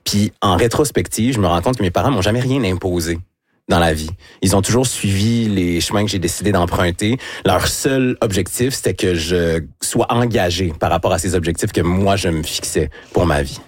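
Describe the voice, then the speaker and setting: A man in his thirties from Quebec with a Québécois French accent, answering interview questions in a thoughtful, measured way. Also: low voice, no room sound, clean studio sound. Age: 30s. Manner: thoughtful, measured, often pausing with fillers. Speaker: radio host as guest. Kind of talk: relaxed interview talk.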